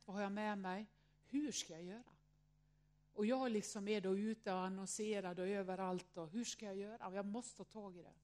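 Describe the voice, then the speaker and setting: A woman's voice: mid-range voice, a little mellow. A woman around sixty tells a personal story to an audience, earnest and reflective, often filling her speech with little hesitation words. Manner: acts out quoted voices in her story.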